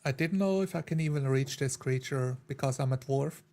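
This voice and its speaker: A man's voice: mid-range voice, a little fast, a little mellow. A man talking casually as a tabletop roleplay player, recounting play and acting out little reactions as he goes. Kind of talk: casual game recap chat.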